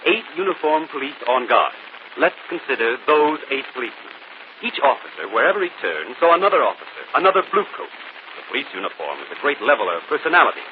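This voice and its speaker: An actor playing a brilliant, self-assured gentleman detective in a 1940s radio mystery, explaining calmly. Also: mid-range voice, quick pace, close to an everyday voice. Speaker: detective and show host. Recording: muffled old radio broadcast, faint hiss.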